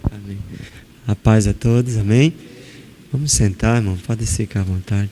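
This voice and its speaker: A soft-spoken man talks in a northeastern Brazilian accent. His pitch is fairly low and his pace moderate. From Brazil, Rio Grande do Norte (Northeast sertão). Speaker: missionary pastor. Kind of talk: sermon. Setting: church.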